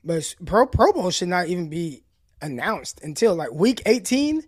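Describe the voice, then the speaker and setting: A man co-hosting a sports podcast, talking in a passionate, deliberate and emphatic way. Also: high-pitched, big pitch swings, slightly rough. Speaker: podcast co-host. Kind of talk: casual sports chat.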